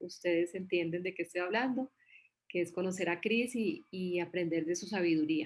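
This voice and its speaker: A woman talks in a Colombian accent with lively intonation. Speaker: coach and mentor. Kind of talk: online workshop talk.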